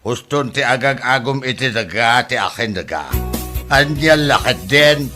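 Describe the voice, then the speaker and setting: A man's voice: medium pitch, animated, a little slow, over music, natural voice. A man with an Ilocano accent playing a grown son who lectures and scolds his family in a comedy drama. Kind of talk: scripted drama acting.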